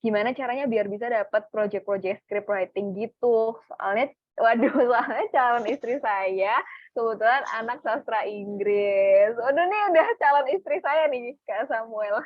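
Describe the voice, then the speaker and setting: A woman's voice: on the high side, moderate pace, no room sound. A young woman hosting a webinar Q&A over a video call, reading out audience questions in an upbeat way. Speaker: webinar moderator. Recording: muffled dry call audio.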